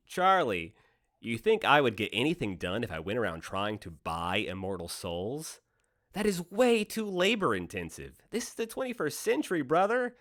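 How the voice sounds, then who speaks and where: Guy doing a smooth talking devil for a radio play, wheedling salesman patter, cynical, voice swoops all over. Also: mid-range voice, bright, forceful tone. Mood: breezy, showy. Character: glib male Devil, slick smooth-talking deal-maker, teasing and cynical.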